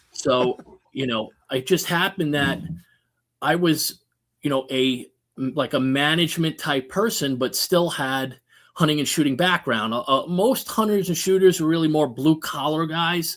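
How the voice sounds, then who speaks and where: A man with a New York accent speaks at a fairly slow pace. His fairly high voice shows ordinary pitch variation. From New York City (Brooklyn/Queens border). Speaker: optics industry executive. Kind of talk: interview.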